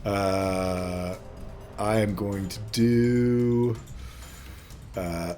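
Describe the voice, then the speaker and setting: A man's voice: lowish voice, fairly even intonation, drawn-out words, dark tone, soft background music. A man acting as game master, chatting casually at a tabletop role-playing session.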